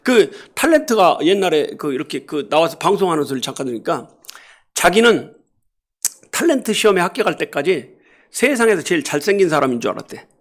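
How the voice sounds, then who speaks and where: A middle-aged man preaches from the pulpit of a church in a notably high voice. He is animated and playful, firing questions at the congregation and acting out animal noises and scoldings to make his point. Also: brisk. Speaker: pastor. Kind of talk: sermon. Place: church sanctuary.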